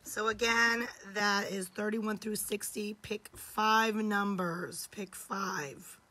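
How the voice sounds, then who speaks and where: A woman in her forties hosting a live jewelry sale from a home studio, hoarse from losing her voice and often dropping to a whisper, chatty and affectionate. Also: mid-range voice, fairly even intonation, slow pace, bright, forceful tone, rough recording. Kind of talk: live-stream sales chat.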